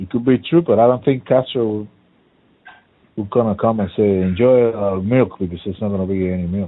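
A Spanish accent at a moderate pace. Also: man. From Cuba. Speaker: podcast co-host. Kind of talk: casual chat.

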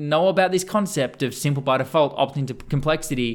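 Here a man speaks with a fairly high pitch and lively intonation at a fairly quick pace. The recording is very clean, with a silent background. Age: 30s. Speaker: software developer podcaster. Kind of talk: solo podcast monologue. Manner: rambling, casual with fillers.

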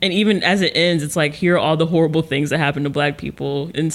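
A woman speaks in a Southern US accent. Her pitch is very deep and low. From Birmingham, Alabama. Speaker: filmmaker. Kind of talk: casual interview.

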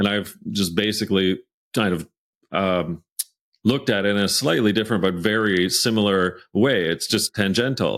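A man talks in a plain, everyday voice, fairly low in pitch, at a moderate pace with ordinary pitch variation and very even loudness, in a very clean recording with a silent background. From Canada. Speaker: author and keynote speaker. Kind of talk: casual interview.

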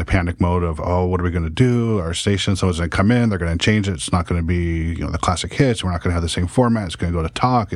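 A man with a West Coast accent and a very deep, low pitch. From Salem, Oregon. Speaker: bar and radio station owner. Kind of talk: casual interview.

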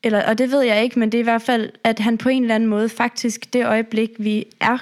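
A woman's fairly high-pitched voice. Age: 20s. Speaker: podcast co-host. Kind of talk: casual chat.

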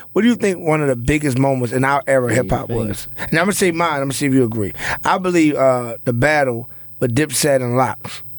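Speech comes fairly fast. The pitch moves in an ordinary way. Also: man, medium pitch for a man. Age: 30s. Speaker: radio host and DJ. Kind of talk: casual chat. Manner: animated.

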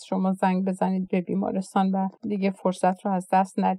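A woman's medium-pitched voice with a dark, mellow tone, in a dry, close sound with no echo. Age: 50s. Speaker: care home worker, recovered patient. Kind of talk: testimony with health advice. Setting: home recording.

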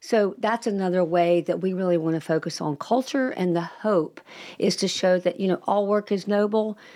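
On a very clean recording with a silent background, a woman with a dark, mellow tone speaks at a moderate pace, keeping her loudness very even and her pitch variation ordinary. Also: medium pitch for a woman. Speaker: school co-founder. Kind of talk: radio interview. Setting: studio.

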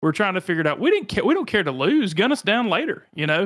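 A man's high-pitched voice with very wide pitch swings and a dry, close sound with no echo. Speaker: podcast co-host talking college football. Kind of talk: casual chat.

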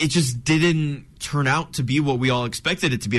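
At a moderate pace, a man is talking. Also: quiet background. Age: 20s. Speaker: college radio sports host. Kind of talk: casual sports talk. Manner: animated.

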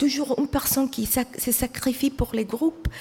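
A woman speaks in a high voice over noticeable background noise. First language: Italian and Somali (speaking French). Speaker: writer. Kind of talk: interview. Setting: bookshop with live audience. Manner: halting.

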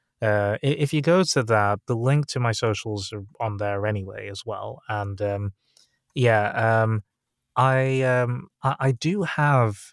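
A man's fairly low voice with ordinary pitch variation, at a fairly slow pace, in dry, close sound with no echo. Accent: British. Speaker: voice actor and animator. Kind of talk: interview. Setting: video call.

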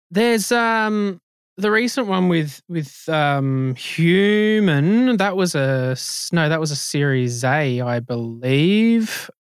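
A man with an Australian accent talks at a very slow pace and a high pitch, his pitch swinging very widely, with hardly any pauses on a very clean recording with a silent background. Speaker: healthtech community founder and podcast host. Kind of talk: casual chat. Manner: animated.

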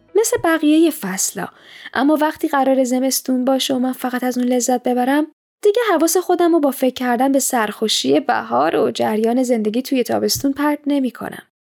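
Calm and fairly quick, a woman speaks in a high voice with ordinary pitch variation on a very clean recording with a silent background. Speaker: podcast host. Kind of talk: scripted narration. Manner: calm reflective.

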